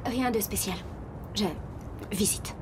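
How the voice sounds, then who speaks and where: A woman's voice: medium pitch, slow pace, noisy background, natural voice. An actress dubbing a young woman film star who hides her fame, talking in an evasive, playful way. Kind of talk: French dub of a TV film.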